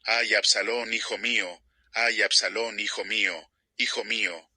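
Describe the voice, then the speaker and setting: A man reading the lines of a grieving aging king, in a soft lamenting delivery. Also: fairly low pitch, steady tone, a little slow, slightly rough, dry recording, exaggerated voice.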